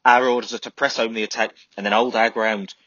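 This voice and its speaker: A man voicing a bullying army sergeant who shouts and rants orders at his men. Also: deep voice, little pitch movement, very fast, no echo. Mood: barking orders. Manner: shouting, ranting. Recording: slightly dull lo-fi recording.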